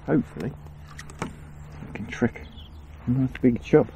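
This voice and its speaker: His voice is mid-range and unhurried, with vocal fry. He's a middle-aged English angling vlogger giving easygoing, chatty commentary to himself on a riverbank as he fishes, laughing softly often, against outdoor ambience with a little noise.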